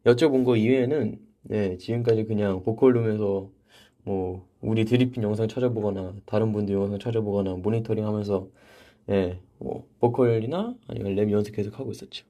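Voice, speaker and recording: A young man hosting a casual livestream from a vocal practice room, reading viewer comments aloud and answering them in a relaxed, chatty way. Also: lowish voice, a little fast. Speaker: idol livestream host.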